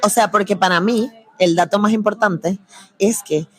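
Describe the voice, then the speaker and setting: A young woman speaks with a Venezuelan Spanish accent in a relaxed interview. Her voice sits in a middle pitch. She is chatty and slangy, and she laughs easily. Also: moderate pace. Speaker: guest, producer and antiracism content creator. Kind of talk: casual conversational interview.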